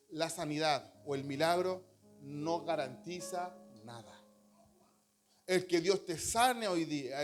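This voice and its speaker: High-voiced Chilean pastor preaching. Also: male voice. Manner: earnest, storytelling, keeps calling listeners "brother". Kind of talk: sermon. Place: church.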